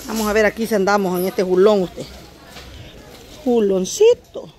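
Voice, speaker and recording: A woman's voice: mid-range voice, fairly even intonation, normal speed, darkish tone. A middle-aged woman, vlogging casually as she shops at an outdoor market, chatting with vendors and talking straight to her viewers. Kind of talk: casual market-shopping vlog.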